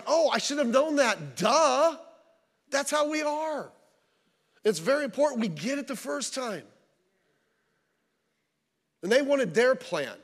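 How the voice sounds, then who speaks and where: Guy pastor preaching, chatty and funny, really expressive swoopy voice, church reverb. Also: sits high. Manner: conversational, humorous storytelling. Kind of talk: sermon. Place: church service.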